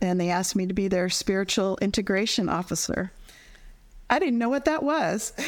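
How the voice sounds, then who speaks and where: Using an ordinary speaking voice with an American accent, a woman of medium pitch talks at a fairly quick pace with lively intonation and very even loudness. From Colorado. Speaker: impact investor. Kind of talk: interview.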